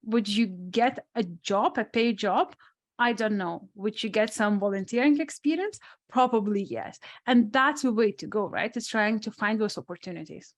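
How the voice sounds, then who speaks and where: A woman with a strong non-native accent speaks at medium pitch and normal speed. She is a sports psychologist answering webinar panel questions thoughtfully, with many restarts and asides.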